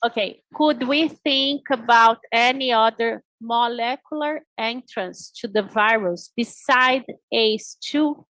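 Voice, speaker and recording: A woman's voice: fairly high pitch, a bit bright, no room sound, poor audio. A woman moderating an online lecture, reading out audience questions carefully. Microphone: video call.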